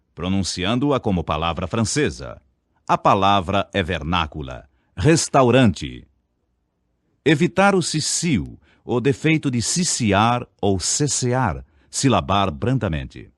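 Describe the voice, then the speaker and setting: Deliberate Brazilian man teaching diction. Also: fairly low pitch, no echo, clean studio sound. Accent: Brazilian Portuguese. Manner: deliberate, over-enunciates example words. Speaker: speech teacher. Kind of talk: scripted lesson narration.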